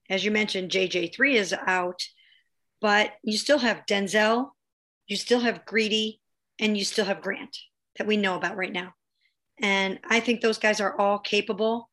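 Hoarse woman, casual panelist on a sports podcast, matter-of-fact. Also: medium pitch, fairly bright tone. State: losing her voice, hoarse.

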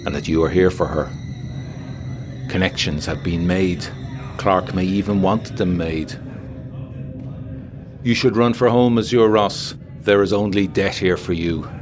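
A man's voice: low-pitched, natural voice. A man voicing a worldly, theatrical woman intriguer in an adventure story, giving grave, insistent warnings in formal phrasing.

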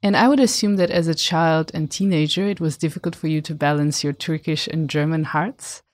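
A woman's voice: low-pitched, steady tone, fairly quick. A woman interviewing a guest, asking reflective questions.

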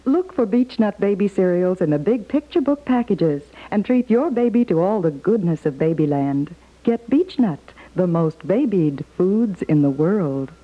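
A woman's voice: fairly low pitch, animated, normal speed, few pauses. Thin-sounding vintage radio commercial, female announcer. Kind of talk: scripted 1950s radio advertisement. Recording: thin narrow-band old radio, faint music.

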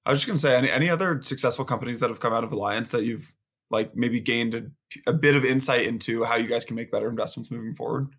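A man's voice: medium pitch, fast talker, fairly bright tone, breathy edge. A man hosting a podcast interview, chatty and asking long questions. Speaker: podcast host. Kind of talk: casual interview chat.

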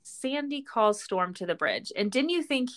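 A woman's voice: on the high side, sing-song, moderate pace, dry recording. Woman podcast co-host, close dry sound. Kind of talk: casual chat and read sponsor spots.

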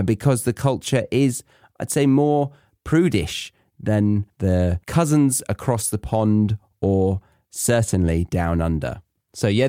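Male host, low voice, dry close sound, chatty explainer. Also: dark tone, no room sound. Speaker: podcast host for language learners. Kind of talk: casual explanatory monologue.

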